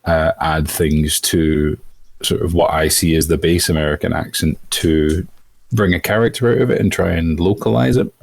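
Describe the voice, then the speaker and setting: A voice actor from Europe in a casual interview, talking thoughtfully with many restarts. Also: male voice, low-pitched, fairly even intonation, moderate pace, vocal fry. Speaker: voice actor guest.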